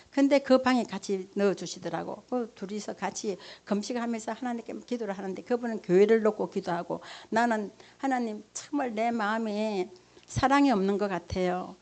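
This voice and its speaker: A woman's voice: mid-range voice, a little mellow. A middle-aged woman, a pastor's wife, giving an emotional sermon testimony and acting out her own prayers and conversations.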